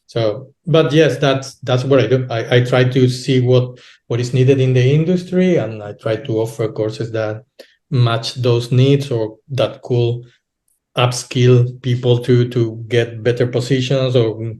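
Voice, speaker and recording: A man's voice: medium pitch, fairly even intonation, dark tone. Male guest, hesitant with frequent restarts, recorded in a roomy space. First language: Spanish. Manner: halting, many repeated words and restarts. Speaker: guest, localization business owner. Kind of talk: casual interview talk. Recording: roomy echo.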